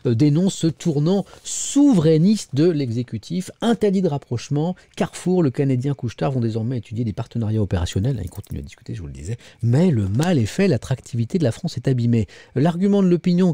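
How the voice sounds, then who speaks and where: Chatty man reviewing the press, dark voice. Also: mid-range voice, sing-song, quick pace, hardly any pauses, no room sound. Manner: chatty, reads editorials aloud and comments, talks to the chat. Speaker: host of a morning press review stream. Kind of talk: casual live press review.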